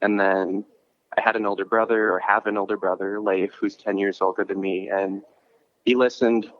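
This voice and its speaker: A man's voice: on the low side, little pitch movement, moderate pace. A man talking over the phone from a coffee shop, a podcast host and concert promoter telling stories in a rambling, casual way with frequent restarts. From Minnesota, US. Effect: heard over a phone line. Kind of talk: casual chat, relaxed storytelling. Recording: muffled phone line.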